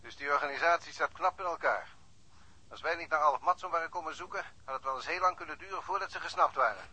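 A man acting a brisk, alert police colleague on the telephone in a radio drama, probing and speculating. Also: on the high side, sharp tone, husky, dry recording, exaggerated voice, poor audio. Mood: inquisitive.

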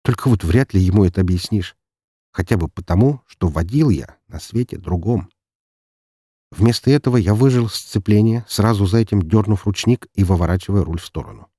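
A man narrating an audiobook in an expressive storytelling manner, recorded close to the mic. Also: lowish voice, fairly quick, husky, dry recording. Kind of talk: scripted narration.

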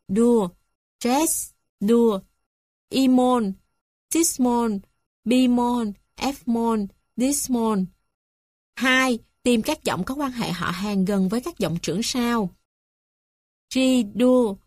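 A woman reads a music theory textbook aloud, taking each item slowly and deliberately. Her voice sits a little high. The recording is dry, with no room sound. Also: a little mellow, no room sound. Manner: slow, measured, list-like reading. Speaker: textbook reader.

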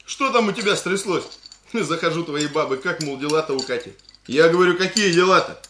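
A man's voice: a little high, a little fast, reverberant, background noise, natural voice. A man playing a brash joking young husband. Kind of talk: radio play acting.

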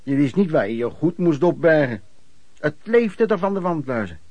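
A man's voice: a little high, big pitch swings, moderate pace, a little mellow, no echo, dull audio. An actor playing a former traveling merchant recounting his lodging-house years in colloquial radio drama narration. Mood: reminiscing.

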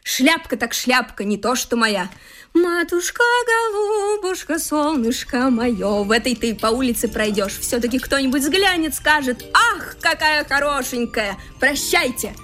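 An actress playing a discontented, frivolous young wife in a classic Russian radio comedy, with a pouty, scornful and stubborn manner. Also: female voice, high voice, animated, unhurried, fairly bright tone, soft background music. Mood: cooing, delighted. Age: young adult. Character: discontented, petulant, frivolous young wife craving fashion and comfort.

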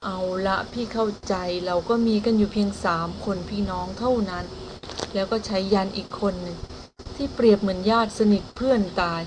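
A woman's voice: mid-range voice, steady tone, brisk, noisy background, close to an everyday voice. A woman reading the part of a protective older brother who speaks firmly and plainly.

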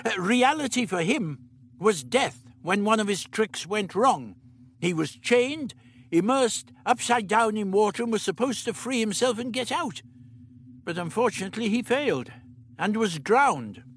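A man voicing an irritable elderly male time traveller who lectures in a brisk, clipped, scolding way. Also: high-pitched, expressive, slight background noise, voice pushed up. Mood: lecturing.

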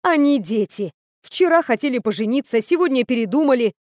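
A woman's voice: high-pitched, lively intonation, fairly quick, darkish tone, dry recording, clean studio sound. A woman voicing a stern female commander of a magic academy who speaks firmly and with authority. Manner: firm, commanding.

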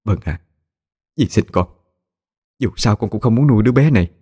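A man's voice: fairly low pitch, expressive, moderate pace, mellow, slightly rough, voice pushed up. A man voicing a scheming older aunt who scolds and threatens her niece. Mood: scolding. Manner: scolding, harsh, wheedling.

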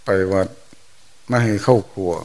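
An older man with a lilt, a monk giving a folksy, unhurried Dhamma talk. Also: a little mellow. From Thailand. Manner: folksy, unhurried storytelling with exclamations. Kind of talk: sermon.

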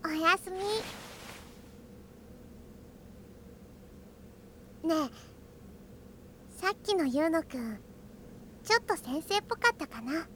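A woman's voice: very high voice, lively intonation, measured pace, fairly bright tone, slight background noise, full character voice. A woman playing a cheerful, eager, earnest young girl learning magic in a Japanese anime audio drama, with a sweet childlike manner. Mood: soft, sleepy.

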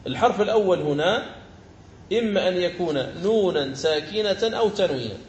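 A man teaching the rules of Quran recitation, explaining each rule and then slowly chanting verse examples. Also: high-pitched, animated, roomy sound, muffled recording, a little hiss or hum. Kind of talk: tajweed lesson with chanted examples.

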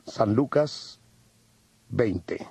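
A man narrating a dramatized audio Bible from a script in a husky, mellow voice. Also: fairly low pitch, animated, extremely slow, dry recording, low-quality recording. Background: music.

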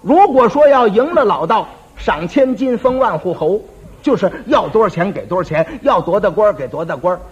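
A man's voice: high voice, lively intonation, brisk, breathy edge. A man performing traditional crosstalk. He tells the story with a stammering, teasing back-and-forth. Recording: dull lo-fi old recording.

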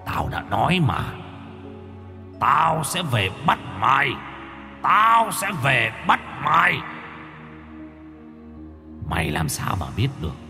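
A man voicing a vengeful male hungry ghost who taunts in a gravelly voice, with a long hall reverb and music behind. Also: mid-range voice, huge pitch swings, takes it slowly, long pauses, sharp tone, pitched above the performer's own voice, full character voice. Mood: menacing taunt.

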